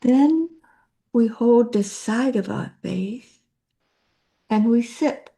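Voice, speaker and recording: A woman on a video call calmly leading a group through a gentle sipping exercise. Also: fairly high pitch. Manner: calm, soothing, slow instructions. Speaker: workshop facilitator.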